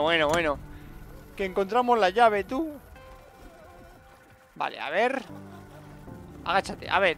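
A young man giving excitable let's-play commentary and talking to his viewers. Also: sits high. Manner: excitable, talks to viewers as "gente". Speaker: gaming streamer.

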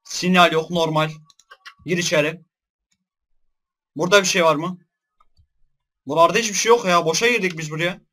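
Young male gamer, high bright voice, scared yelps between jokes, horror let's play. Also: steady tone, moderate pace, long pauses. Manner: jumpy, shouts in fright then jokes. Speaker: gaming YouTuber.

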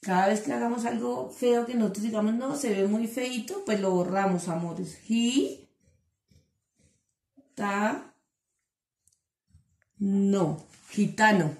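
Woman teacher, patient and slow, sounding out syllables for small children, echoey room. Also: medium pitch, darkish tone. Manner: slow, syllable-by-syllable dictation with endearments. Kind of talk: online class for young children.

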